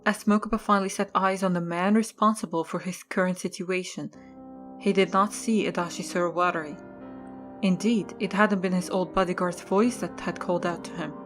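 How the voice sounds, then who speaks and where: A woman's voice: fairly low pitch, steady tone, brisk, soft background music. A woman reading scripted narration as the narrator of an audio drama.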